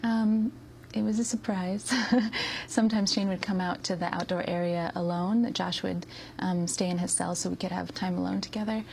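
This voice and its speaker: Low gravelly american woman in her 30s, soft and halting with lots of ums, faint hiss behind. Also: fairly even intonation. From United States. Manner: hesitant, with many ums and soft laughs. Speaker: interview guest. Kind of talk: soft-spoken interview answers.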